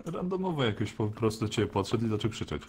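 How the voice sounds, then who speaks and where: A man playing a game with a friend, chatting casually in a calm, reassuring way with dry humor. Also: fairly low pitch, quick pace. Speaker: co-player. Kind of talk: casual gaming chat. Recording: loud background noise over voice chat.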